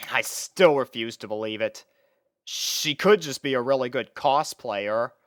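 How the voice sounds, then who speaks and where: A man voicing a lonely, bewildered male college student in a deliberate, theatrical audiobook-style reading with dramatic pauses. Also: mid-range voice, fairly bright tone, smooth, no room sound, clean studio sound.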